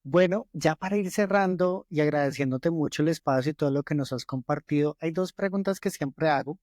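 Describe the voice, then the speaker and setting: Male podcast host, courteous and formal, slightly higher voice, dry close sound. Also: fairly quick, a little mellow, dry recording. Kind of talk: interview questions.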